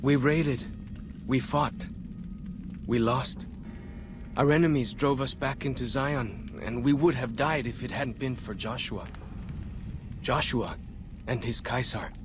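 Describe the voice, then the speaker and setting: A man playing a young, earnest tribal scout and guide in a video game, plain-spoken with simple, slightly halting phrasing. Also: medium pitch, background noise, lightly acted. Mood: solemn. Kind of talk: video game cutscene dialogue.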